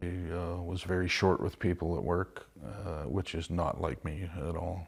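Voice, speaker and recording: Vocal fry runs through speech with ordinary pitch variation. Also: man. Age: 60s. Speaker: small business owner. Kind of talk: interview. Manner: halting.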